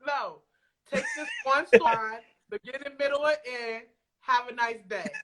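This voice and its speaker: A woman's voice: fairly high pitch, sing-song, moderate pace, a loud crowd, poor audio. A woman chatting as an interview guest, speaking in an emphatic, playful, slangy way. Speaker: guest, audio drama creator. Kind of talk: casual conversational interview.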